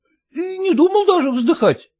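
A man's voice: very high-pitched, expressive, moderate pace, darkish tone, pitched above the performer's own voice. A man voicing a fussy, stingy, servile male clerk who mutters and answers deferentially to his father-in-law. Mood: fawning.

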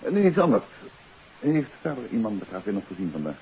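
An actor playing a courteous, composed detective who probes politely in a 1950s radio drama. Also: male voice, fairly low pitch, sing-song. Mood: inquisitive. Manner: polite, measured, inquisitive. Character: composed, courteous male amateur detective, quietly probing. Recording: hissy, tinny 1950s radio recording.

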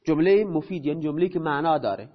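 A man teaching a grammar lesson. He asks his own questions and answers them, and he repeats key terms slowly. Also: on the high side, breathy edge. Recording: dull lo-fi recording.

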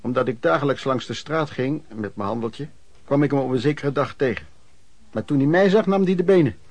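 Actor as mid-pitched storyteller recalling his youth. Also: fairly quick, a little mellow, dry recording, close to an everyday voice. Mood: reflective. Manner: conversational storytelling. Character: former street peddler recounting his youth, frank. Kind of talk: first-person radio play narration.

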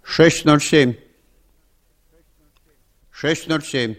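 An actor playing a commanding male spy chief who speaks in a smooth, controlled, condescending way. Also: fairly high pitch, very slow. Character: cool, commanding male spymaster boss.

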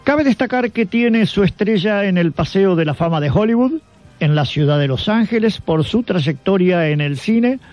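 A man's voice: sits high, expressive, normal speed, a little mellow, no echo. A man with an Argentine accent reading a scripted biographical narration as a radio show host. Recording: dull lo-fi sound with background music. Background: music.

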